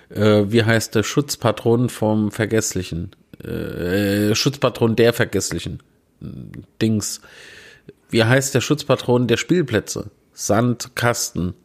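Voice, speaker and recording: A man reading out puns in a dry, plain way, with self-mocking asides, recorded indoors on a handheld recorder set on a small tabletop tripod. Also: lowish voice. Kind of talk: casual joke reading.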